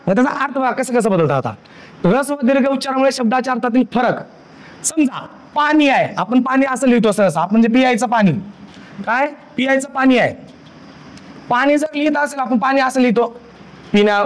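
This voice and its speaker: A man teaching a grammar lesson for exam preparation, repeating points and often checking that students understand. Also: extremely high pitch. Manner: repetitive, checks understanding with frequent questions.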